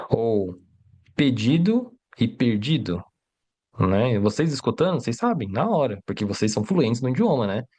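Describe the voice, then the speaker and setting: A man's voice: medium pitch, warm tone. Brief: male teacher streaming live, medium voice, chatty, keeps checking in with viewers. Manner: chatty, asks "né?" and "tá?" constantly; reads out viewer questions and answers them. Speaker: Mandarin teacher. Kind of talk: casual live-stream lesson.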